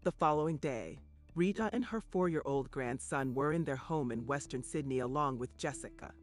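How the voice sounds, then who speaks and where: A man reading scripted true crime documentary narration in a grave, measured way. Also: medium pitch, soft background music.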